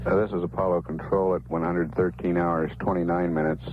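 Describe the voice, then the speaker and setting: An American man making official mission status announcements in a halting, measured, matter-of-fact way. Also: low voice, flat delivery, music in the background. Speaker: mission control public affairs announcer. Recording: narrow-band archival broadcast with faint hiss.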